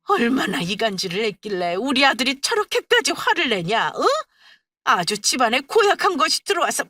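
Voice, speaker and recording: A woman's voice: a little high, animated, normal speed, sharp tone, dry recording, clean studio sound. A woman voicing a pushy older mother-in-law who dotes on her eldest son, scolding and guilt-tripping in a dramatized story reading. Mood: furious.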